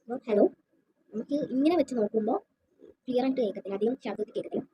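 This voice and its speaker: A woman chatting casually to her viewers as she unboxes a microphone. She talks warmly and a little apologetically, like someone making her first video. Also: a little high, rapid-fire, poor audio. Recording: loud background noise.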